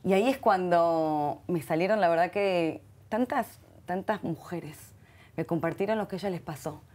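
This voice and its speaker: A woman's voice: fairly low pitch, normal speed. Heartfelt Argentine woman telling stories. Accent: Argentine Spanish. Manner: warm and expressive, many repeated words and Hebrew terms. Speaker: interview guest. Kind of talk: heartfelt conversational interview.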